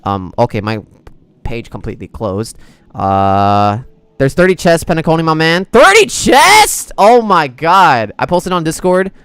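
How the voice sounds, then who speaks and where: A man's voice: on the high side, sing-song, unhurried, a bit bright, clear, resonant tone, dry recording. A man livestreaming a video game in casual, slangy, chummy chat with his viewers. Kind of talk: casual gameplay stream chat. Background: game music.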